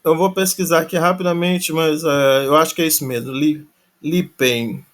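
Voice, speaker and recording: A Greek teacher works through a grammar lesson casually, thinking aloud, restarting often, using many tag questions, and spelling out verb endings syllable by syllable. His voice is a little high and a bit bright, and he talks a little fast.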